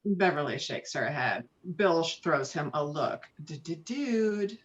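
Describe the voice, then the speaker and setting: A woman's voice: low-pitched, big pitch swings, slow, slight background noise. A woman reading screenplay stage directions as narrator at an online table read. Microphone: video call. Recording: dull lo-fi online call audio.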